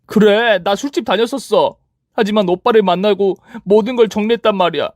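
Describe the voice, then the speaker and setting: Guy putting on a screechy high young woman, clingy and desperate, dry close sound. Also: a little fast, a little mellow, no echo, close to an everyday voice. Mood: pleading. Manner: pleading, shrieking.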